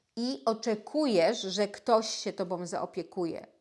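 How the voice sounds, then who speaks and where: Recorded very cleanly over a silent background, a woman has an unremarkable speaking voice, fairly high in pitch with ordinary variation. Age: 40s. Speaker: self-development coach. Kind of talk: educational video monologue.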